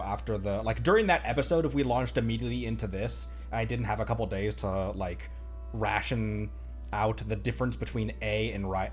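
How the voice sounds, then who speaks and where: A man giving casual, playful, rambling commentary while livestreaming a video game. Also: lowish voice. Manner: rambling, playful, breaks into mimicry. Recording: faint game music behind the voice.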